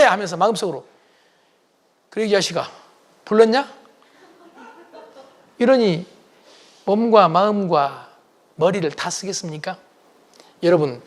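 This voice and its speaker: A middle-aged man giving a lively public lecture, acting out bits of dialogue and putting questions to the audience. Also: sits high. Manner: acts out dialogue, quizzes the audience.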